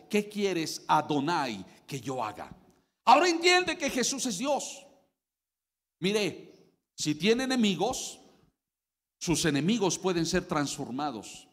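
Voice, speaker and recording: A Mexican man preaching a sermon as pastor, dramatic, swinging from loud bursts to low murmurs. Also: big-room sound.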